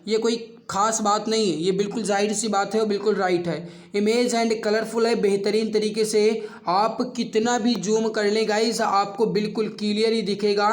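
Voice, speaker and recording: High-pitched male exam tutor. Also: level tone, moderate pace, hardly any pauses. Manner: repetitive, emphatic, addresses listeners familiarly. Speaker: online exam-prep teacher. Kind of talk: quiz lesson for exam students with promotional pitch.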